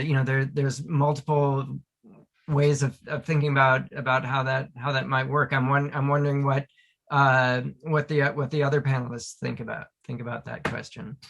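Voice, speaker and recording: A man speaking as a panelist in a hesitant, halting way, often repeating words as he thinks. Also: mid-range voice, vocal fry, fairly bright tone. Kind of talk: thoughtful panel discussion.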